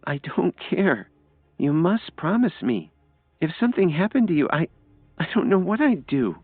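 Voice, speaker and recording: A man voicing a shy, anxious young woman in an audiobook, talking softly and hesitantly. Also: high-pitched, very animated, moderate pace, slightly rough, no echo, soft background music, voice pushed up, heavily acted. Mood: pleading. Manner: soft, hesitant and worried. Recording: dry, tinny phone-like sound.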